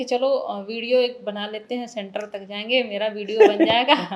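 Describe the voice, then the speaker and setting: With noticeable background noise around her, a woman talks in a fairly high pitch and ordinary pitch variation. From rural Bhojpuri-speaking northern India. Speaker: bank exam topper. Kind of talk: interview. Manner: hesitant, many fillers.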